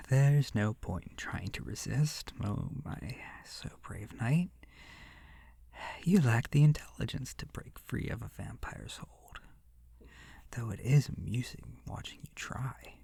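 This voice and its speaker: Slow, creaky, seductive vampire, acted out by someone. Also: medium pitch, expressive, warm tone, no echo, studio quality, exaggerated voice. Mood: predatory, teasing. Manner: slow, breathy near-whisper, theatrical and menacing. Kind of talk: scripted horror audio roleplay, ASMR.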